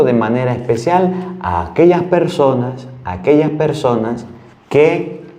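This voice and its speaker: Venezuelan priest telling a story in sermon. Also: male voice, mid-range voice, darkish tone, roomy sound. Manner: storytelling, earnest and plain-spoken.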